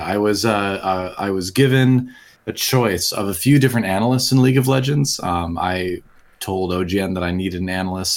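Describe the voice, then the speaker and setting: A man with an American accent, fairly low pitch, ordinary pitch variation, and a moderate pace. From US Midwest, rural Wisconsin and Minnesota. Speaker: esports shoutcaster. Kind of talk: interview. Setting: online voice call.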